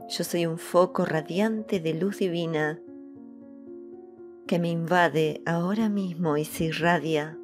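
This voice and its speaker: A woman speaks in a low, unhurried voice, calm and devotional, as she leads a spiritual reflection and recites decrees. Faint music plays softly behind her. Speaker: spiritual channel host. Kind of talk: slow meditative spiritual message and decree. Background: soft background music.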